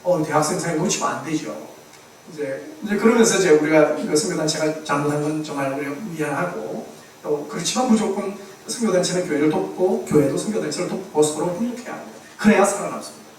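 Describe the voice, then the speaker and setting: A man's voice: fairly high pitch, fast talker, darkish tone. A man, a missionary preacher, giving a sermon and telling a story with animation, acting out the voices of the people he quotes. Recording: echoey hall heard from far off, faint background noise.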